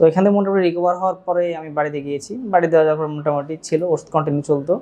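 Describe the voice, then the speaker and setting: Fairly high for a man, his voice has a dark, mellow tone and fairly even intonation. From Bangladesh, Lakshmipur district. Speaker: patient's son. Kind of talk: testimony.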